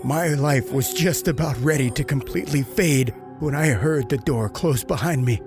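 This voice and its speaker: An actor playing a terrified, dying man who tells his horror story in a strained, halting way. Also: medium pitch, close to an everyday voice. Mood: fading, awed. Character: terrified, dying man trapped with giant snake. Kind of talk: dramatized horror audio narration. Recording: music under the voice.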